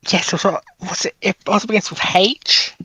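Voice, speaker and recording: A man's voice: high voice, fairly even intonation, normal speed, pushed and bright, slightly rough, dry recording, rough recording. A man taking part in a casual live discussion, putting thoughts and questions to the host.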